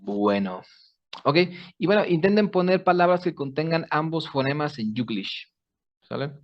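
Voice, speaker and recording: A man's voice: fairly high pitch, animated, moderate pace, lo-fi sound. Patient male teacher on a video call. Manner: patient, explains step by step, often checks in with students. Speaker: English teacher. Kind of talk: online class teaching pronunciation.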